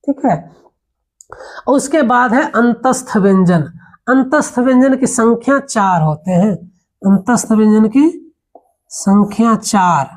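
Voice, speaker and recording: With lively intonation and a fairly high, slightly mellow voice, a woman teaches Hindi grammar aloud. Patient in her explanations, she asks rhetorical questions and draws on everyday examples, reciting the letters one by one, slowly and with care.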